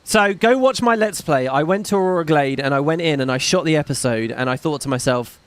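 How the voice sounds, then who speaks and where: A man hosting a casual gaming stream with a slight British lilt, rambling and self-deprecating, dropping curses between viewer comments. His voice sits a little high for a man. It is recorded close and dry, with no room sound. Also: lively intonation, brisk, dry recording. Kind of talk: casual livestream chat reading donations.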